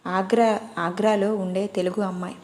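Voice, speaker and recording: Woman doing a cheeky teen girl, playful, pleading, steady voice, audio story. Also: mid-range voice, normal speed, close to an everyday voice. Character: cheeky runaway girl of eighteen, quick fibber.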